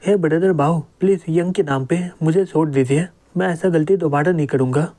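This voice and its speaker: A man's voice: fairly high pitch, a little fast, mellow, natural voice. Man voicing a cowardly young boss who pleads and grovels. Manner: pleading, fearful.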